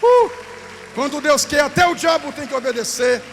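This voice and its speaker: High-voiced fervent Brazilian preacher. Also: male voice, sing-song, moderate pace, some chatter behind. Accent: Brazilian Portuguese. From southern Brazil. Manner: fervent, repetitive, rises to shouting. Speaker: pastor. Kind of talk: Pentecostal sermon. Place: church sanctuary. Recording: church hall with long reverb, faint music.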